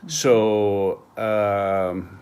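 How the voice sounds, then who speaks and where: An American man, middle-aged, teaching a slang lesson with slow, patient explanations and examples. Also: lowish voice, a little mellow, clear, resonant tone.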